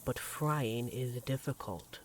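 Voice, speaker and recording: A man playing an affectionate, devoted vampire partner in a roleplay audio drama, speaking in a tender, gently teasing, conversational way. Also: medium pitch, takes it slowly, lightly acted, rough recording. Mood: teasing, amused. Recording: clearly audible background noise, sizzling kitchen effects.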